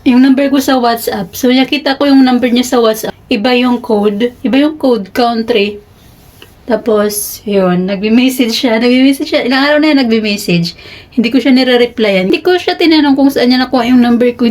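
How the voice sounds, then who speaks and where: A woman's voice: a little high, fairly quick, a little mellow. A young woman with a Filipino accent, chatting casually in a vlog and telling a story with giggles and lots of fillers; she sounds sleepy. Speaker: vlogger.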